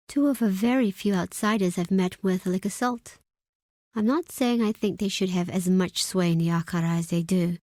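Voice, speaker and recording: A woman's voice: mid-range voice, darkish tone, no echo, studio quality, natural voice. A woman playing a proud, stern tribal deputy leader in a video game, speaking in a solemn, formal, imperious way. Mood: frank. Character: proud, stern desert tribe woman, second-in-command, wary of outsiders. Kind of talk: dramatic video game character acting.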